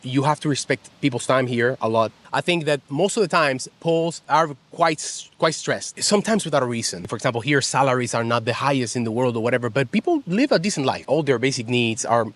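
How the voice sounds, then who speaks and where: A man's voice: medium pitch, a little fast, few pauses. A man from the Dominican Republic in a casual street interview, laughing often and acting out what people say. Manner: relaxed, laughs often, acts out quoted remarks. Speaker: interviewee, social media creator.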